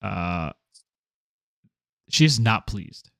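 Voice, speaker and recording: A man narrating a tabletop game as game master, halting with fillers and chuckles. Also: fairly low pitch, animated, creaky, fairly bright tone, dry recording, studio quality.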